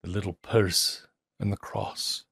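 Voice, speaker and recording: A man reads a literary story with theatrical emphasis and deliberate pauses. His voice sits fairly low. The recording is dry and close, with little room sound. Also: level tone, creaky, a bit bright, slightly rough, no echo. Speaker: audiobook narrator.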